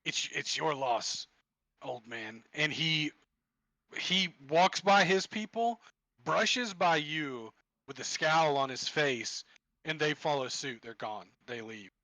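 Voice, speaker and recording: Slow, bright-voiced game master narrating. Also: male voice, a little high, no room sound, poor audio. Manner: descriptive, piecing scenes together with restarts. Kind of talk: narrating a tabletop game over voice chat.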